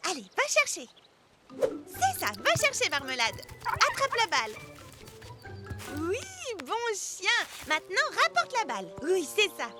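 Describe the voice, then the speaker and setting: A woman's voice: very high-pitched, wildly swooping pitch, a little slow, long pauses, exaggerated voice. A woman voicing a cheerful young cartoon girl who patiently coaxes and scolds her dog, in a French cartoon dub. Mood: coaxing. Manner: patient, coaxing, exclaims often. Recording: cartoon soundtrack with loud music.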